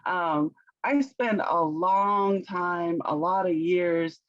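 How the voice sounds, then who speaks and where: A woman speaks English as her second language, pausing to find the right word and laughing lightly between thoughts. The sound is dry and a bit muffled, as if on a modest mic. She is a company founder explaining her services in an interview. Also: lowish voice, no room sound. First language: not English. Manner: thoughtful, searches for words, laughs often. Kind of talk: conversational business interview.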